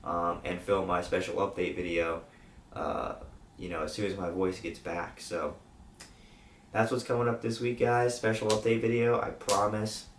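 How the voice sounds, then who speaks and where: A man's voice: deep voice, fairly even intonation, normal speed, slight background noise. A young man from with a weak, sore-throated voice, rambling casually with fillers as he updates his channel. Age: young adult. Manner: rambling, with many fillers and restarts. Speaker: YouTube channel host. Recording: roomy, distant from the mic.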